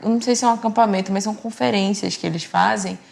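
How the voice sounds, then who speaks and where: A woman's voice: medium pitch, steady tone, fast talker, vocal fry, darkish tone. A Brazilian woman, a guest on a church podcast, speaking earnestly and reflectively about faith. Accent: Brazilian Portuguese. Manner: earnest, reflective, quoting herself. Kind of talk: casual church podcast chat.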